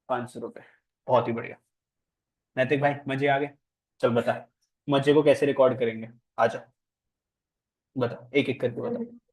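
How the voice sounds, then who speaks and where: A man teaching commerce in a classroom, playful and teasing, quizzing his students with speech. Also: on the high side. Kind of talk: classroom lecture.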